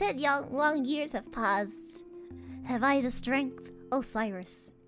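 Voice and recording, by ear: Over clear music in the background, a woman does a put-on character voice, high-pitched, with lively intonation and a dramatic, theatrical tone at a fairly slow pace.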